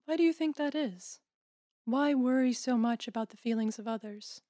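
A woman playing a calm, caring campus counsellor in an audio drama, measured and gently probing. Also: on the high side, dry recording, clean studio sound, natural voice. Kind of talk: audio drama acting, naturalistic dialogue.

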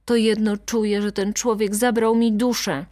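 A woman's voice: mid-range voice, little pitch movement, moderate pace, dark tone, no echo, studio quality, close to an everyday voice. A woman voicing a distraught young woman who speaks in a hard, defiant tone.

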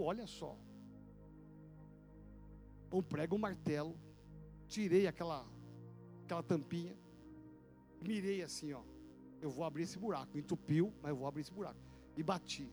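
A male pastor, telling a personal story in a sermon with vivid, animated delivery and sound effects. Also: a little high.

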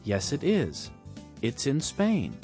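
An actor playing a co-host reading English drills slowly and clearly. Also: male voice, medium pitch, huge pitch swings, a little mellow, soft background music, exaggerated voice. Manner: slow, clearly enunciated drills. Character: male co-host Max. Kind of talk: scripted language-lesson drill.

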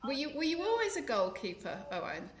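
A woman's voice: high-pitched, huge pitch swings, a little fast, reverberant, slight background noise. A woman co-hosting a podcast, asking questions in a conversational way with small restarts. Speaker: podcast co-host. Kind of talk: interview questions.

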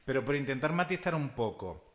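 A man from Catalonia, speaking as a panelist in a conversational academic discussion. He is lively and discursive, often tags his points with questions and chuckles. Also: medium pitch, a little fast. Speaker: panelist at a book presentation.

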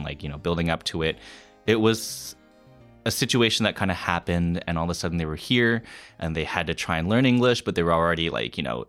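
A young man from Canada, a graduate student interview guest, speaking in a relaxed, chatty way with many fillers. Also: low voice. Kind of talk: casual interview.

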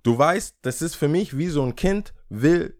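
A man from Ghana co-hosting a casual conversation, opinionated and animated as he acts out little scenes. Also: fairly high pitch, measured pace. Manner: opinionated, animated storytelling with acted-out quotes. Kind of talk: casual chat.

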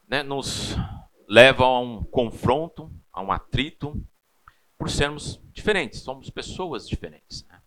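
Speaking at a fairly low pitch, a thirty-something man with a Brazilian Portuguese accent leads a church class. His style is relaxed and conversational, packed with personal anecdotes and tag questions.

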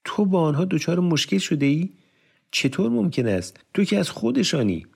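A man's voice: lowish voice, a little mellow. A man voicing a hospitable, fatherly old tribal chief in an audiobook, speaking with emphatic, insistent exclamations. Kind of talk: audiobook character voice.

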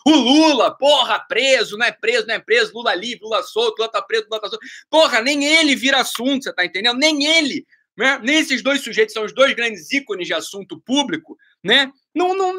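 A man's voice: very high voice, pushed and bright. A man with a Brazilian Portuguese accent, hosting a live stream and ranting bluntly at viewers, sarcastic and swearing often. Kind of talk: blunt motivational rant.

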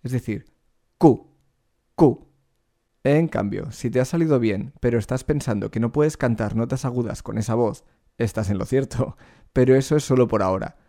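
A man with an ordinary middle-pitched voice leads a singing lesson. He explains each point clearly and speaks straight to the learner. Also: brisk, mellow. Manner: clear explanatory teaching, addresses the learner directly. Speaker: vocal coach.

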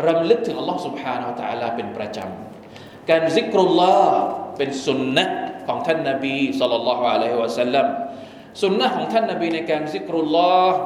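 A man with a fairly high voice gives a Friday sermon, moving between slow chanted recitation and emphatic teaching. His voice rings out through a heavily echoing mosque hall with a long reverb tail. A faint room hum sits underneath. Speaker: preacher.

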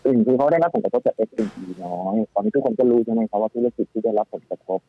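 Fast-talking man on a tinny phone line. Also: mid-range voice, gravelly, slightly rough. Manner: animated, speaks fast with many restarts and fillers. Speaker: stock market guest analyst. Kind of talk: casual financial talk. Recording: tinny phone-line audio, faint music.

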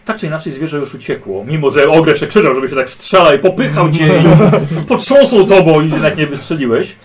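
Mężczyzna prowadzący sesję RPG jako mistrz gry, luźno opowiadający i często wtrącający „słuchajcie”. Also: male voice, on the high side, lively intonation, a little fast, a crowd in the background. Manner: loose, with frequent "słuchajcie" and filler "e". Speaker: game master. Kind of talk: narrating a tabletop game.

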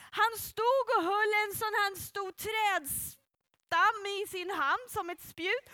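A woman telling a Bible story to children in a playful, animated way and bringing up child volunteers. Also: extremely high pitch, no echo. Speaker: children's church leader.

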